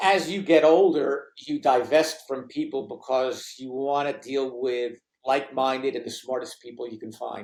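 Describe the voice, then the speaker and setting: A man speaks at medium pitch and a moderate pace in a plain, everyday voice. His pitch varies in an ordinary way, and his loudness swings widely. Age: 60s. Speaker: author and entrepreneur. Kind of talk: casual chat.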